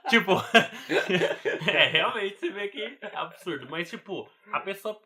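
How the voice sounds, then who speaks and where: A man's voice: high-pitched, animated, slow, pushed and bright. A man with a Brazilian Portuguese accent co-hosting a podcast in casual chat, rambling and leaning on fillers. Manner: rambling, fills with "cara" and "entendeu", laughs often. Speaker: podcast co-host.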